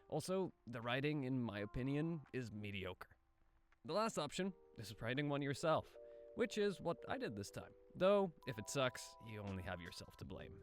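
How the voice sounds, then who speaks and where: This mid-range male voice belongs to a would-be voice actor talking through a casual explainer. He keeps it informal, teases himself, and asks questions he doesn't expect answered.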